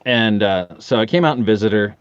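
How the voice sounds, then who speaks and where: A man's voice: on the low side, fairly quick, clean tone, dry recording, highs cut off. A man in his forties chatting casually as a podcast guest, telling rambling, jokey anecdotes with casual swearing. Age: 40s.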